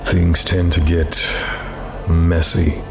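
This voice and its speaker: An actor playing a cold, ancient immortal attendant in an audio horror drama, speaking deliberately with quiet menace. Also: male voice, deep voice, little pitch movement. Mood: aloof, brooding. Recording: roomy echo, music underneath.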